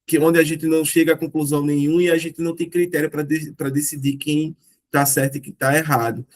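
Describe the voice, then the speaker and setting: A Brazilian man leads a relaxed philosophy discussion, his voice sitting a little high for a man. He works through ideas patiently and keeps asking rhetorical questions, tagging his sentences with little checks for agreement. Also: fairly quick. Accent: Brazilian Portuguese. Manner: explanatory, rhetorical questions, frequent "né". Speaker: discussion group host.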